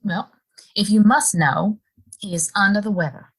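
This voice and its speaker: A woman playing a loyal, quietly defiant saloon bartender in a Western audio play, speaking in a guarded way. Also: mid-range voice, breathy edge. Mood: guarded, defensive. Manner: measured, guarded, sighing.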